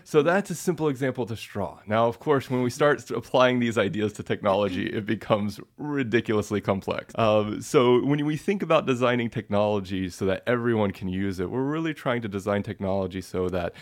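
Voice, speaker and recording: A native English-speaking man, interviewed as a guest researcher, explains ideas patiently using simple everyday examples and often checks in with "right?". His lowish voice is fairly quick, with few pauses.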